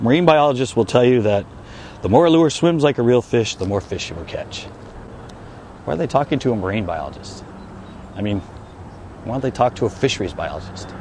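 A man talks at a very fast pace, with a dry sound and no echo. Noticeable background noise runs underneath. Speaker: bass fishing instructor. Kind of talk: tutorial commentary. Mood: skeptical, mildly sarcastic. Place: open country.

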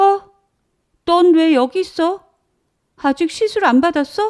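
Extremely high-pitched put-on character voice from a woman, delivered fairly slowly. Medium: read story.

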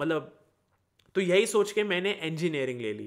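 With lively intonation and a moderate pace, a man speaks over a quiet background. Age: 20s. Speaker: YouTuber. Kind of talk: unscripted monologue. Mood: earnest advice. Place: home room.

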